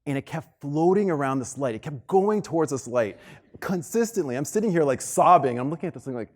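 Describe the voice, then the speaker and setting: A man's voice: on the high side, expressive, brisk. A middle-aged American man delivers a motivational keynote to a live room, telling personal stories conversationally and repeating phrases for emphasis. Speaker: keynote speaker. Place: live talk on stage to a room of listeners. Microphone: stage microphone.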